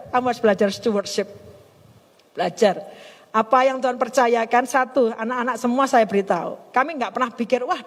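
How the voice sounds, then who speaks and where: A middle-aged woman pastor preaching a sermon in a chatty, animated storytelling way, laughing often. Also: fairly high pitch. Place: church service in a hotel hall. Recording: long hall reverb.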